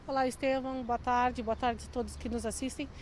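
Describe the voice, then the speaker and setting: A young adult woman meteorologist explaining the forecast in a measured way, speaking into a handheld mic outdoors on a city street. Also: fairly high pitch, steady tone, a little mellow. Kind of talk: live outdoor weather interview. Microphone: handheld reporter mic. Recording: faint outdoor street noise. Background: faint street traffic.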